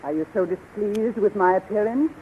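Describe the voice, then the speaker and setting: A woman's voice: mid-range voice, normal speed, close to an everyday voice. A woman playing an imperious, seductive and scheming sorceress queen with a commanding, theatrical delivery in a 1930s radio serial. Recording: muffled, noisy 1930s radio recording.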